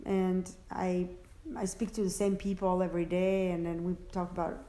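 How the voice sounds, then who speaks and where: A woman answering interview questions about her work as an interpreter, halting and searching for words, often restarting. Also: fairly low pitch, flat delivery, warm tone. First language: French. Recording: echoey room.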